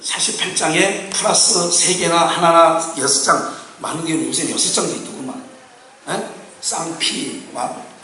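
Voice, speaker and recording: A man's voice: a little high, a little slow, background noise. A man preaching a sermon as pastor, talking in a loose, colloquial way and putting one rhetorical question after another to his congregation. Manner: colloquial and animated, with laughs and bursts of shouting. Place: church sanctuary. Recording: echoey hall, mic far from speaker.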